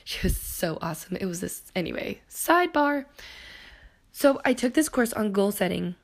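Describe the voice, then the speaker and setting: A woman in her thirties hosting a solo podcast, telling her own story in a chatty way with a hoarse voice that keeps cracking, laughing often and wandering onto tangents. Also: mid-range voice, big pitch swings, normal speed. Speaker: podcast host.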